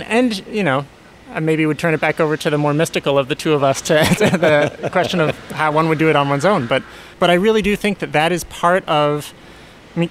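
An earnest man answers interview questions in a reflective, searching way, often rephrasing as he goes. His voice sits a little high for a man. A faint hum of outdoor street traffic runs underneath. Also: fairly bright tone. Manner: thoughtful, earnest, self-correcting. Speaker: resident of a Quaker community house.

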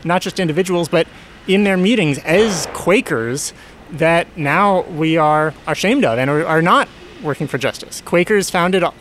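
A man's voice: fairly high pitch, fairly bright tone, slight background noise. A man speaking thoughtfully and earnestly in an interview, often stopping to rephrase. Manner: thoughtful, earnest, self-correcting. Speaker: resident of a Quaker community house. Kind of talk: reflective conversational interview.

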